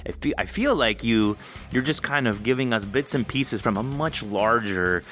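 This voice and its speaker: A man's voice: mid-range voice, animated, normal speed, fairly bright tone. A man hosting a conversational podcast interview in an effusive, rambling way. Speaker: podcast host.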